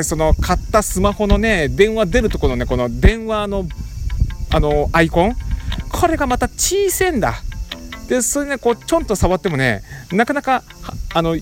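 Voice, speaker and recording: A middle-aged man tells a story in a lively, swinging voice that sits a bit high for a man. He plays with mimicked sound effects and slips into rough, casual phrasing. Faint music runs quietly behind him.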